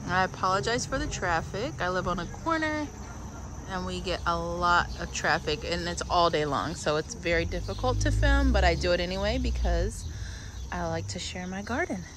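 A man's voice, dry and echo-free, moves at a moderate pace while noticeable noise runs underneath. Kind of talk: casual vlog chat. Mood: enthusiastic, admiring. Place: garden. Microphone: phone near.

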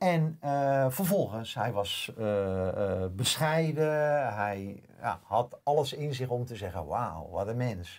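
Very slow speech from a man at medium pitch, with very wide pitch swings, over a quiet background. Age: 60s. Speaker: documentary filmmaker. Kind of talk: interview. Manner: halting, many filler sounds. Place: studio.

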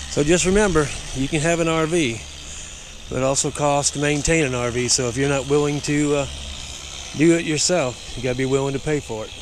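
With fairly even intonation, a man speaks at a moderate pace in a dry sound with no echo over noticeable background noise. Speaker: RV owner vlogger. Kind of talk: casual vlog chat. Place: street. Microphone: phone near.

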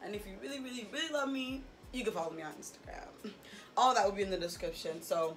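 A woman talks at a very fast pace with very wide pitch swings. Music plays behind her. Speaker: lifestyle vlogger. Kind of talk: casual vlog chat. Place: home room.

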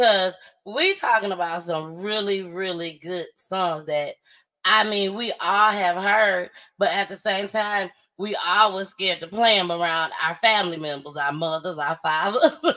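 A woman with a bright, sharp tone, fairly slow pace and ordinary pitch variation against a quiet background. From US Midwest. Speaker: show host. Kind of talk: casual interview. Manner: animated. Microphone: studio mic.

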